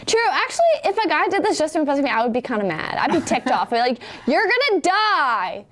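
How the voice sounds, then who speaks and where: Animated young woman co-hosting. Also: fast. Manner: animated, lots of "like", lively swings in pitch. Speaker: student news co-host. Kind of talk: casual chat and scripted news reading.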